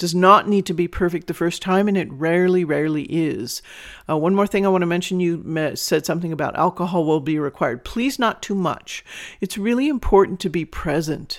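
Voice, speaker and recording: At a fairly quick pace, a woman speaks in an animated tone with a fairly low pitch and ordinary pitch variation. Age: 60s. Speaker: sex educator podcast host. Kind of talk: advice monologue answering listener letters. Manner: animated, frequent laughter.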